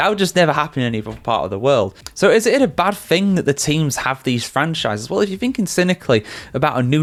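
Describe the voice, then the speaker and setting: Lively intonation runs through this man's speech. He goes at a very fast pace. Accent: English. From England. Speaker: motorsport commentator. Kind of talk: video commentary. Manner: conversational.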